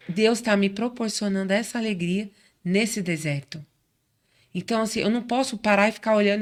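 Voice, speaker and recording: A middle-aged woman from Brazil telling her faith story in casual chat, acting out quoted voices as she goes. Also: mid-range voice. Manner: warm chatty storyteller, acts out quoted voices. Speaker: guest.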